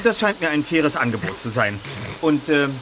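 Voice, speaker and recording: Polite teenage boy, lively intonation. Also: on the high side, moderate pace, noisy background. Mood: eager, courteous. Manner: courteous, formal. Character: polite, eager teenage boy, a keen salesman. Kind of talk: audio drama acting.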